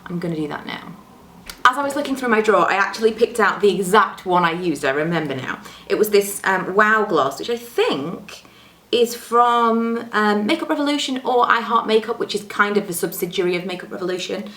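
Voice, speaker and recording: A young woman doing a chatty, self-deprecating makeup tutorial at home, her voice a little low from a coming cold, speaking close to the camera. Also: lively intonation, brisk, a bit bright, roomy sound. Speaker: beauty vlogger. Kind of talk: casual makeup tutorial chat. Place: room at home, indoors. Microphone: camera close to the face.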